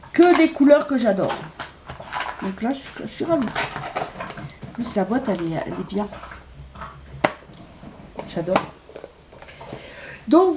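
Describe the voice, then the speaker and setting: Slight background noise accompanies a middle-aged woman whose voice is fairly high in pitch with a darkish tone. She chats casually in her shopping haul video, hesitating often and leaning on fillers.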